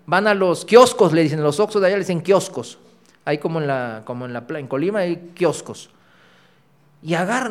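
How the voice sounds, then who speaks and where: High-voiced preacher. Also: male voice. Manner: talks straight to the congregation, acts out his own past voice. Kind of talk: sermon.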